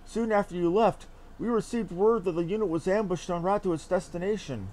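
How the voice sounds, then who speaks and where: A man's voice: sits high, brisk, a little mellow, slight background noise, close to an everyday voice, low-quality recording. A man voicing an earnest, refined young male commander from a fantasy game, with formal and eloquent phrasing. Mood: worried, urgent.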